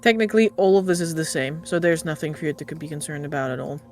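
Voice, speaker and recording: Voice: medium pitch, animated, fast, a little mellow, a little hiss or hum. A dungeon master chatting casually to open a tabletop game session, loose and full of fillers.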